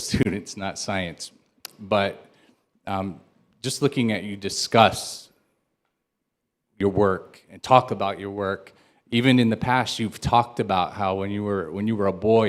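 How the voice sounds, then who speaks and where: A man who teaches English, asking a long, hesitant question from the audience at a lecture. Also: fairly low pitch. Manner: hesitant, lengthy question with restarts.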